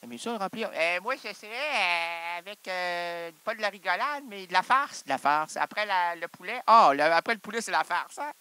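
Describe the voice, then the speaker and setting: A Québécois man with a high, sharp voice riffs through a goofy radio monologue. He wanders from one joke to the next and argues with his own asides. The tone stays bright and playful. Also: expressive, moderate pace, hardly any pauses, clear, resonant tone, poor audio. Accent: Québécois French. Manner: playful, rambling, answers himself in asides. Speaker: radio show host. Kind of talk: improvised comic monologue.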